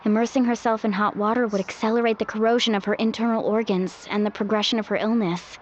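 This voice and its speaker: A woman's voice: mid-range voice, fairly even intonation, quick pace, slight background noise, natural voice. A woman voicing a cheerful, easygoing young tribal guide in an anime video game, breezy and friendly. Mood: earnest. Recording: muffled game audio under music.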